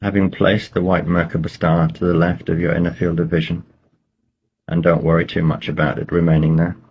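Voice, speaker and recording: A man leading a guided meditation, giving slow, measured instructions with pauses between phrases. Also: low voice, flat delivery, lo-fi sound, slight background noise.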